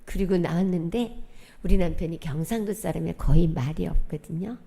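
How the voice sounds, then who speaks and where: A woman's voice: fairly low pitch, a little fast, vocal fry, warm tone. A middle-aged woman giving a personal testimony at a church worship service, telling her story vividly and acting out the dialogue. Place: church sanctuary.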